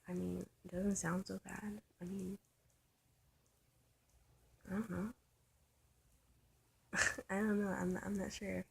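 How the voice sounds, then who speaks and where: A trans man with a soft, light voice, thinking aloud in a personal vlog, halting and searching, often trailing into a whisper. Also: high-pitched, creaky, a little hiss or hum, low-quality recording. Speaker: vlogger. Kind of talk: personal reflective vlog monologue.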